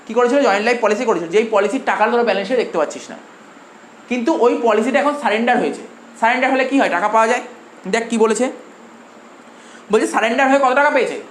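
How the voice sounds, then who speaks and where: Speaking in a very high, rapid-fire voice, an Indian man with a Bengali accent races through a commerce class lecture. He keeps repeating points and shooting questions at his students. The room echoes, and a faint hiss sits underneath.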